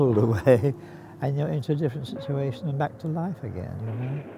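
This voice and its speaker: A man speaks at a fairly quick pace in a medium pitch with ordinary pitch variation, over noticeable background noise. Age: 80s+. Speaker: film director. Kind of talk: interview. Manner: halting.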